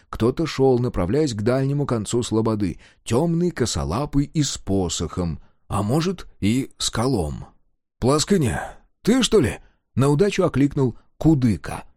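A man's voice: mid-range voice, no room sound, clean studio sound. A man reading a folk-tale style novel aloud as scripted audiobook narration, also reading out footnotes. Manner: lively storytelling, reads out footnotes. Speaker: audiobook reader.

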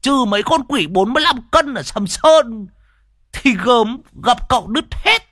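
A man voicing Đồng, a boastful, loud old male sidekick in a ghost story, shrill and bragging. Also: animated, unhurried, no room sound, studio quality, heavily acted. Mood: boasting.

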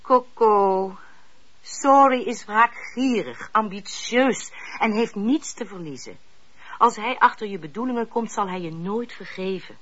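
A woman's voice: mid-range voice, a little slow, fairly bright tone. An actress playing a shrewd, candid woman who probes and cautions in articulate sentences in a radio drama. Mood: cautioning. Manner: articulate, probing, admonishing. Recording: dull lo-fi radio recording.

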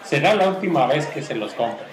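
A man with a Mexican accent playing a righteous, fussy, over-polite gentleman in an old-fashioned radio play. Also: on the high side, expressive, normal speed, lightly acted. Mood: indignant. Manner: pompous, formal, over-polite diction. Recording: roomy, noisy ambience with crowd behind.

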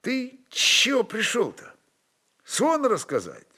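A man acting a grumbling hungover Cossack, pitched up. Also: wildly swooping pitch, takes it slowly, bright, forceful tone, slightly rough, exaggerated voice. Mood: sleepy grumbling. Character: hungover, grumbling, drowsy Cossack comrade, gruffly friendly. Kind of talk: dramatic literary reading.

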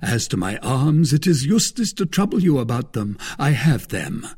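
A man's voice: mid-range voice, very animated, moderate pace, a little mellow, breathy edge, voice pushed up. Man putting on a haughty, vain musketeer. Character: haughty vain male musketeer, bluff and scheming.

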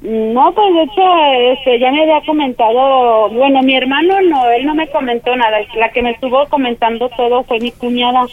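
A woman's voice: high-pitched, brisk, hardly any pauses. A woman, rambling shyly with many fillers on the phone. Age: 40s. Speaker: caller on the phone. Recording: tinny phone line.

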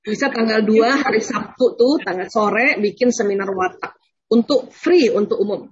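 Brief: high, husky woman preacher, animated, laughs a lot, muffled lo-fi sound. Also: normal speed. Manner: lively, laughs often, acts out prayers and children. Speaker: speaker on Islamic parenting. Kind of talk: religious talk with audience questions.

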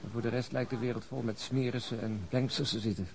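An actor playing a world-weary deputy chief inspector in a radio drama, with a blunt, wry way of talking. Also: male voice, mid-range voice, steady tone, quick pace, vocal fry, a crowd in the background, close to an everyday voice, low-quality recording. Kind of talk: naturalistic radio drama acting.

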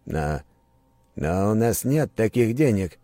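A slow, low, hoarse old man's voice, strained and commanding, as an audiobook narrator puts on a bedridden father. It is recorded dry and close, with no room sound. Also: sing-song, warm tone, dry recording, heavily acted. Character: older father, weak from a coma, quick to anger. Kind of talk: audiobook character voice.

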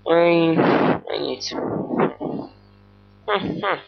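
Rambling, hesitant guy with a higher voice. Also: extremely slow, vocal fry, no echo, lo-fi sound. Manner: hesitant, meandering, with many fillers and restarts. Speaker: podcast host. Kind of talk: rambling solo podcast chat.

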